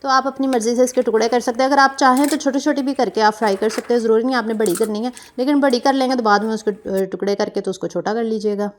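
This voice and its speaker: A woman's voice: a little high, steady tone, fast talker, few pauses, a little hiss or hum. A young woman from Pakistan, narrating her cooking vlog in a chatty, meandering way full of fillers and self-corrections. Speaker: cooking vlogger.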